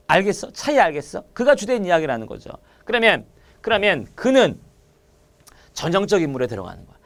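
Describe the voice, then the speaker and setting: A man teaching literature in an online exam-prep lecture, repeating key points and firing quick questions at his students. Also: high voice, fairly bright tone.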